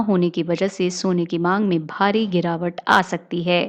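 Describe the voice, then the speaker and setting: The intonation is monotone and flat, with a quiet background. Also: woman. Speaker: news presenter. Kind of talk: news bulletin read.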